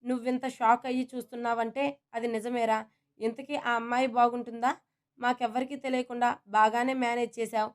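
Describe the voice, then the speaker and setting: A woman reading a storybook and voicing a calm, commanding young man who questions with sarcasm and sternness. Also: very high voice, fairly quick, smooth. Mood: stern.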